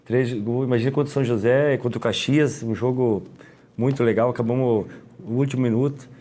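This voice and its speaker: A middle-aged man with a Gaúcho Brazilian accent, a former footballer talking as an interview guest, rambling and halting with many restarts. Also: mid-range voice, fairly even intonation, mellow. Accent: Gaúcho Brazilian Portuguese. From Rio Grande do Sul, Brazil. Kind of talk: casual interview.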